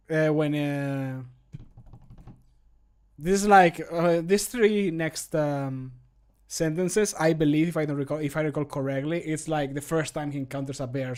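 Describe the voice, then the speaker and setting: A man's voice: fairly high pitch, darkish tone. A man in his thirties chatting casually and jokingly on a livestream, close to the microphone at home. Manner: jokey, self-mocking. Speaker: streamer and mod voice actor. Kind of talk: casual livestream chat while recording. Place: small home room, indoors.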